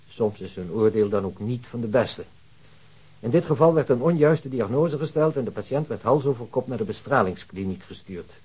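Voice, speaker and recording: A precise pedantic doctor in a radio play, sure of himself, medium pitch, bit husky. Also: male voice, warm tone, low-quality recording. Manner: measured, pedantic explaining. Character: precise, self-assured male hospital doctor. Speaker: actor in a radio drama. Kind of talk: Dutch radio drama dialogue.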